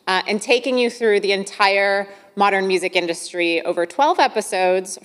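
Chatty Midwestern American woman in a hall. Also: medium pitch. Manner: enthusiastic, chatty, with fillers. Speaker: podcast host. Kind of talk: podcast intro monologue. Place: arts centre venue. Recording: long hall reverb.

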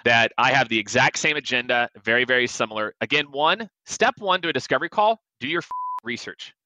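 A quick-talking man in his forties with a bright, forceful tone, speaking as a podcast guest. He is emphatic and animated and keeps breaking into acted-out bits of dialogue. His voice sounds dry and close, with no room around it. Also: mid-range voice, no room sound, low-quality recording. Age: 40s. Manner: animated, emphatic, acts out quoted lines. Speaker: sales expert guest. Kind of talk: energetic podcast advice.

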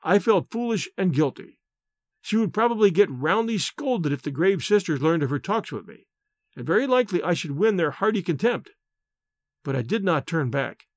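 A man's voice: sits high, expressive, moderate pace, dry recording, studio quality. A man reading scripted first-person literary narration as an audiobook narrator.

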